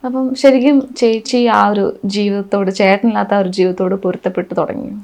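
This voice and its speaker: Gentle woman interview host. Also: medium pitch, fast. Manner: gentle, prompting with soft affirmations. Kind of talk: interview hosting.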